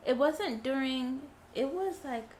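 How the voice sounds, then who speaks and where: Young woman guest, relaxed and giggly. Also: high voice, slow pace, slight background noise. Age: young adult. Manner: relaxed, short answers, giggly. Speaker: interview guest. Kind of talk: casual interview chat.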